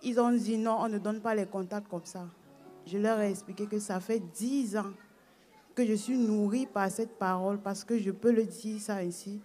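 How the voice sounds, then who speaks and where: A woman's voice: mid-range voice, steady tone, normal speed, warm tone, soft background music. A woman from Cameroon, telling her story in church and hesitating as she goes. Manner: long unbroken telling with hesitations. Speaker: churchgoer giving a testimony. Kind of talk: personal testimony at the front of the church.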